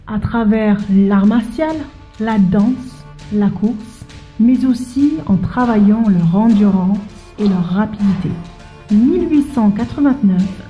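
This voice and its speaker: A woman presenting a history explainer, lively and speaking directly to the viewer. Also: medium pitch, echoey room, muffled recording.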